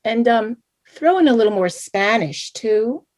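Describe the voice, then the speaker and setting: A woman's voice: on the high side, animated, measured pace. A woman playing a vain, spirited middle-aged Latina immigrant mother in a staged play reading, coaxing and wry. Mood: insistent. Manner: coaxing, mixes in Spanish words.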